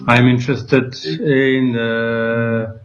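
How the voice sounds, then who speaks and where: Man from belgium, very slow, hesitant, muffled lo-fi call sound. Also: mid-range voice, level tone. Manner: hesitant, many pauses. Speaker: workshop participant. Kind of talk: self-introduction on a call. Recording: dull lo-fi call audio.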